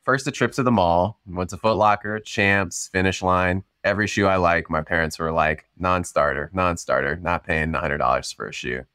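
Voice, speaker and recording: A man born in Cameroon, a startup founder, talking through his story in a relaxed, chatty way with lots of ums and you-knows. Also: low-pitched, moderate pace, hardly any pauses, smooth, dry recording, studio quality. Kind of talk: casual storytelling interview.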